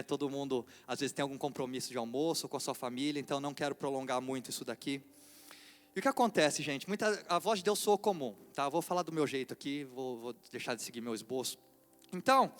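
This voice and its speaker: A Brazilian pastor with a fairly high voice for a man preaches in an easy, conversational way. He keeps turning questions back to his congregation. His voice rings with the long reverb of a theater hall. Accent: Brazilian Portuguese. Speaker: lead pastor. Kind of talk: sermon.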